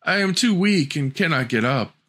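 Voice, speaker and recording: A frail old grandmother calling weakly from her bed, as a man reading aloud puts her on. Her voice is thin, high and feeble. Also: expressive, normal speed, fairly bright tone.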